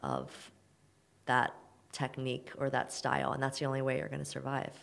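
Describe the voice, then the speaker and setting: In a Mid-Atlantic accent, a woman speaks with a very deep, low pitch. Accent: American, Mid-Atlantic. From Baltimore, Maryland, US. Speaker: fitness studio founder. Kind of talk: podcast interview.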